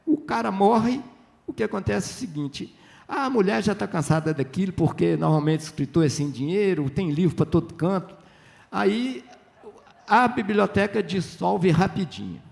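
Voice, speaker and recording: An older man from Minas Gerais, Brazil, speaks as a writer on a literary festival panel, telling chatty stories and often acting out dialogue. His voice is high and gravelly, his pace moderate, and his lively manner is full of tag questions.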